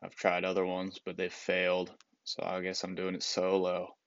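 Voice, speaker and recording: A man's voice: low-pitched, completely flat delivery, moderate pace, a bit bright, no room sound, dull audio. A young man hosting his own solo sports podcast, sounding stuffed up and rambling through opinionated takes with many restarts. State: stuffed-up nose. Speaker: podcast host.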